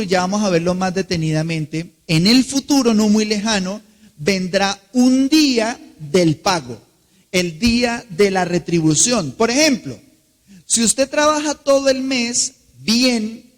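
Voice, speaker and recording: A man with a high, voice delivers a sermon as a pastor. He leans on key words, stretching them out, and keeps turning to the congregation with quick questions. His voice carries a long reverb through a large church hall.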